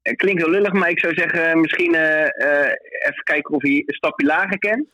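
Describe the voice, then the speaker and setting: A radio show caller in his thirties, heard over the line, with a bright, forward voice that sits fairly high for a man. The sound is dry and close, with no room around it. He talks hesitantly and fills his pauses with filler sounds. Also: no echo, poor audio. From Netherlands. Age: 30s.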